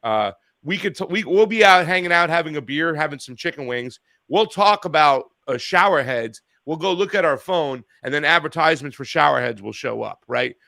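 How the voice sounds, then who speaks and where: Gravelly, bright-voiced male talk show host. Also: fairly high pitch, normal speed, hardly any pauses, dry recording. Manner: rambling, profane, gets loud and animated when ranting. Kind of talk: casual call-in talk show chat.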